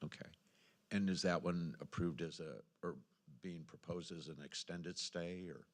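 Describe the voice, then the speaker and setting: A man speaking as mayor at a council meeting, halting and repeating words as he works through his point. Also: low-pitched, fairly even intonation. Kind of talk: formal meeting discussion.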